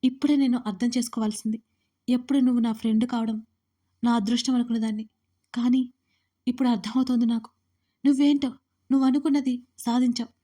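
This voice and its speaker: A woman's voice: fairly high pitch, steady tone, quick pace, long pauses, dark tone, lightly acted. A woman voicing a young woman who feels betrayed by her friend and speaks reproachfully through tears, in an audio story. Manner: tearful, reproachful.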